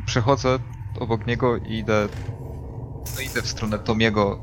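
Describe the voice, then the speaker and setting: Hesitant male role-player over clear background noise. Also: fairly low pitch, steady tone, normal speed. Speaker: tabletop game player. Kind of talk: improvised role-play, describing own actions.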